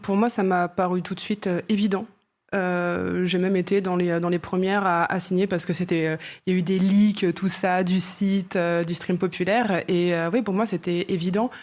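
A woman, a streamer and activist, answering as a guest on a talk show with frequent fillers and pauses. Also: lowish voice, steady tone, a little mellow. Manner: hesitant, many fillers.

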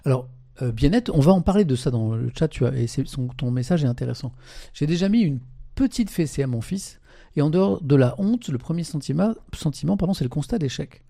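Mellow-voiced man commenting on a stream. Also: a little high, lively intonation, a little fast, gravelly, no room sound, studio quality. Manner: conversational, tags sentences with "hein"; reads article passages aloud, then comments. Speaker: live streamer. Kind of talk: casual live-stream commentary reading press and chat.

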